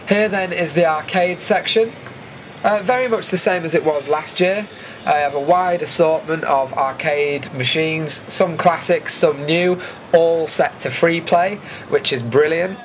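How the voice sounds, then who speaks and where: A British-accented man with a fairly high-pitched voice gives chatty, informal voice-over commentary on footage, recapping an event as a vlogger. There's slight background noise.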